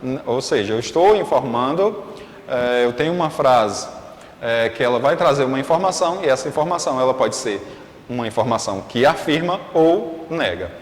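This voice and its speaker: A man's voice: medium pitch, animated, moderate pace. A man teaching a recorded online grammar class, peppering his explanation with hesitant fillers and frequent check-ins asking if students follow. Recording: echoey room with long reverb.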